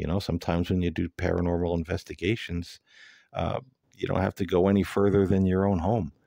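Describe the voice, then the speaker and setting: A man's very deep, low voice, very fast and monotone, flat in intonation, with a dark, mellow tone against a quiet background. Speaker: paranormal investigator podcaster. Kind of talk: casual monologue. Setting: home office. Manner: hesitant, many fillers; quiet, low voice in parts of session.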